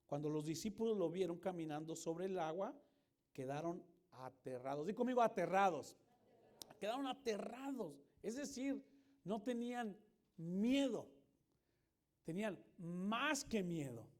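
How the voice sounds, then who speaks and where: A male pastor giving a lively sermon in a church, joking with the congregation and acting out scenes. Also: high voice, a little slow. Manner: animated, jokes with the congregation, acts out voices and screams. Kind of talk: lively sermon with acted-out anecdotes.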